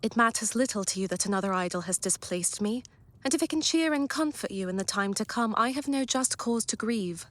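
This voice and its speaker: A woman playing a sorrowful but resolute young fiancée in an audio drama, measured, earnest and formal. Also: fairly high pitch, lively intonation, natural voice. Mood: wounded.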